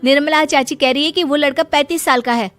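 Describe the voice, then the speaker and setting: A woman voicing a firm, self-respecting young unmarried teacher in an animated story. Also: sits high, fast, faint music behind, voice pushed up. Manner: firm, defensive.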